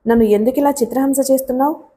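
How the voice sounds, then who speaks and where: A woman's voice: high voice, fairly even intonation, quick pace, mellow, husky. A woman reading the part of a frightened, desperate young wife and mother in an audiobook, in a pleading, anxious tone. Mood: fearful.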